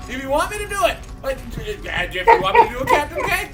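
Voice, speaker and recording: Animated, foul-mouthed podcast host. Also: male voice, very high-pitched, a little fast, creaky, distant mic, music in the background. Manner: profane, animated storytelling. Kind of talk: casual comedic chat.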